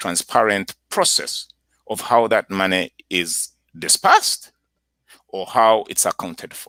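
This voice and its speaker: A man with a Ugandan accent speaks at a fairly slow pace in a medium pitch with a bright, sharp tone, recorded dry and close with no echo on a very clean, silent background. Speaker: candidate for community association office. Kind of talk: interview. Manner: halting, with frequent repeated words.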